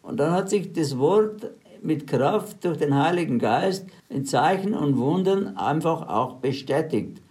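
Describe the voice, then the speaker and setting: A man's voice: on the high side, animated, a little slow, darkish tone. A man preaching a sermon, retelling scripture stories in plain everyday words and urging his listeners on in faith.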